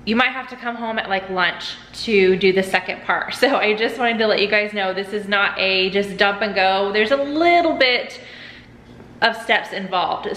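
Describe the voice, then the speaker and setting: A woman's voice: medium pitch, sharp tone. A woman in her thirties hosts a casual cook-along from her home kitchen. She sounds chatty and upbeat, guiding viewers step by step, recorded close on a camera mic. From United States. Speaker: cooking channel host. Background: dishwasher running in the background.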